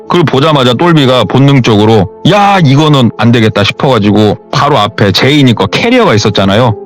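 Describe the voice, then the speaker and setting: 생생하게 억양을 굴리는 남자 이야기꾼. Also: male voice, medium pitch. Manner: conversational, dramatic storyteller voicing quotes. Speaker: horror story narrator. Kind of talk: retelling a listener's true ghost story.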